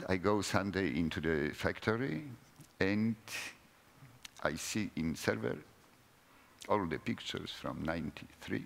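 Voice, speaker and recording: This man has a fairly low pitch and a non-native accent, speaking at a moderate pace with lively intonation and long, frequent pauses. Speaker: company founder. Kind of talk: conference talk. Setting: stage with audience. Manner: halting.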